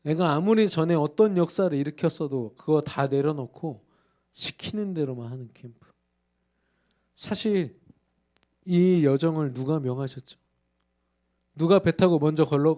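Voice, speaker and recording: A man's voice: on the high side, dark tone. A male pastor preaching in church, emphatic and full of rhetorical questions to the congregation. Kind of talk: sermon.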